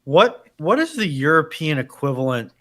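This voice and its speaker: A man's voice: a little high, sing-song, moderate pace, a bit bright. A man chatting casually as a panelist on a live stream. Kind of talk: casual chat.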